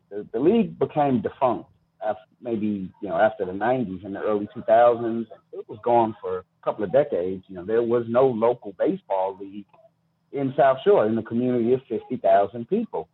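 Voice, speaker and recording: A man's voice: medium pitch, expressive, normal speed, breathy edge, narrow, tinny audio. A middle-aged American man telling his own story as an interview guest. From Chicago, United States. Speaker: podcast guest, youth baseball coach and charity founder.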